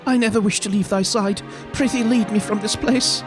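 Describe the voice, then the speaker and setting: A man's voice: high voice, fairly even intonation, moderate pace, music in the background, voice pushed up, lightly acted. A man voicing a lovelorn young princess, tender and defiant, in melodramatic archaic stage style for a fantasy game. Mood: yearning.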